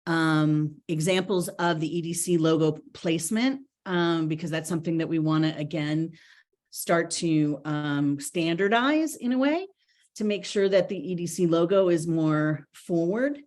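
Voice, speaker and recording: A woman's voice: low voice, unhurried, darkish tone. A woman presenting a grant report to a board in an online meeting, chatty with many ums and restarts. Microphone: video call.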